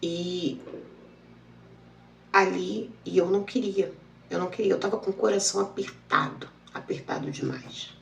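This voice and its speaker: A woman's voice: lowish voice, normal speed, vocal fry, roomy sound, recorded from a distance, highs cut off, slight background noise. A woman, telling a personal story and acting out the dialogue. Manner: emotional, repetitive retelling with quoted dialogue. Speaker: channel host.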